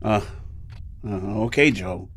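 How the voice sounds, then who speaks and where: A man's voice: on the low side, takes it slowly, a bit bright, slightly rough, exaggerated voice. An actor playing Boz, a plain-spoken, practical man in a retro sci-fi radio drama. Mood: wary. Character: Boz, grown man, practical mechanic type. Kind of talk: golden-age style radio drama acting.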